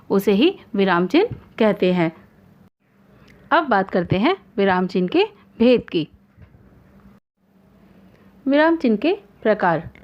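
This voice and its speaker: A woman hosting an online grammar lesson, explaining in a formal, measured way with examples. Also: fairly high pitch, highs cut off. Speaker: Hindi grammar teacher, channel host.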